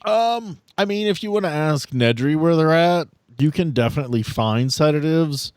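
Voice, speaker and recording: A man speaking casually as game master, narrating and bantering in a halting, sardonic, sweary way. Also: a little high, expressive, clear, resonant tone, dry recording, studio quality.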